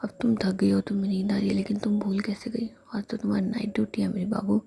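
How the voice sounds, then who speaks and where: A woman's voice: mid-range voice, little pitch movement, quick pace, gravelly, dark tone, slight background noise. A woman voicing a coy, teasing young woman, speaking in a whisper.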